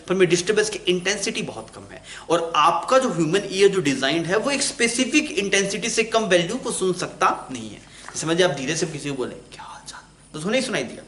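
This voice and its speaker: Chatty Hindi-speaking physics teacher, echoey room. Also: male voice, sits high, a bit bright. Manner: chatty, asks the class questions and answers himself. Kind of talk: online lecture.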